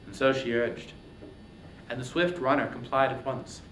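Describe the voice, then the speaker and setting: A man's voice: mid-range voice, moderate pace, fairly bright tone. A man giving a dramatic, declamatory reading of epic poetry as narrator. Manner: theatrical, declamatory. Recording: roomy echo, faint background noise.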